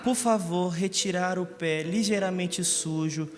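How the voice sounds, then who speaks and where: A man playing a stern mother who scolds her son in slow, clipped, overly formal words. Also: high-pitched, in a large hall. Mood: sternly formal.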